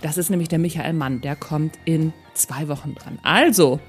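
A woman's voice: low-pitched, moderate pace, soft background music. A woman hosting a podcast, chatting informally and speaking directly to her guest and listeners. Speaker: podcast host and interviewer. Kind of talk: casual conversational interview and podcast outro.

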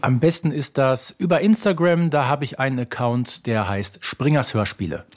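A man's voice: medium pitch, normal speed. A man from Germany co-hosting a podcast, chatting casually with wry, mock-serious enthusiasm. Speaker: podcast co-host.

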